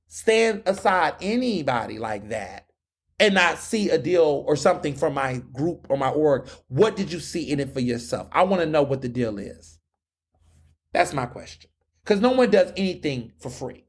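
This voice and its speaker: Fiery sarcastic man ranting high and lively. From Houston, Texas. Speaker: podcast host. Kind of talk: opinion monologue.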